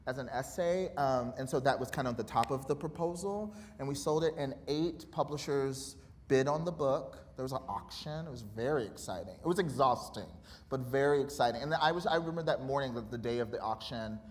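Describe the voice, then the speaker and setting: A man's voice: medium pitch, fairly quick. A man in his thirties, an author guest in a live interview, talking candidly and animatedly, laughing often and acting out remembered conversations. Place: college auditorium. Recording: reverberant hall with faint noise.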